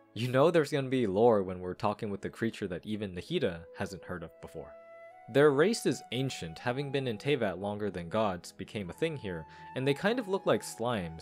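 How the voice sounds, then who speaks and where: A man with a lowish voice delivers scripted game review commentary in a casual, explanatory way. His intonation moves around a lot, rising and dropping through each point. Soft music plays behind him. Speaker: video game reviewer and lore analyst. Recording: background music.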